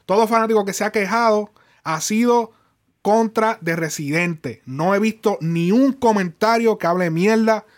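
High-pitched Puerto Rican man ranting. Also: moderate pace. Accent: Puerto Rican Spanish. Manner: emphatic, heavy swearing, frequent restarts. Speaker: host of a music commentary show. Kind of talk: casual opinion commentary.

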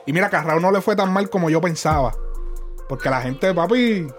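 High-pitched Puerto Rican man ranting. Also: a little fast, soft background music. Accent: Puerto Rican Spanish. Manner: emphatic, heavy swearing, frequent restarts. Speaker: host of a music commentary show. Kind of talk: casual opinion commentary.

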